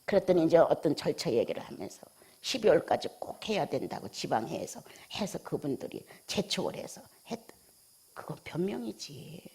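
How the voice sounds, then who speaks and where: A woman pastor preaching a sermon, with scolding rhetorical questions and sudden drops from emphatic outbursts into hushed near-whispers. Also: sits low, sing-song, moderate pace, slightly rough.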